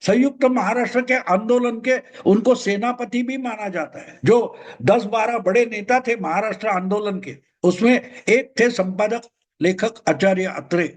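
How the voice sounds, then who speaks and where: Older male commentator, very high voice, emphatic and repetitive solo monologue. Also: normal speed. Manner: emphatic, repeats points. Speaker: political commentator.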